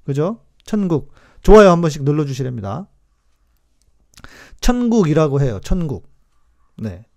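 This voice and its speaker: A man's voice: fairly high pitch, very animated, moderate pace, creaky, darkish tone. A man in his forties, a pastor hosting a live stream, teaches in a chatty, emphatic way, repeating key words and answering viewers' comments as he goes.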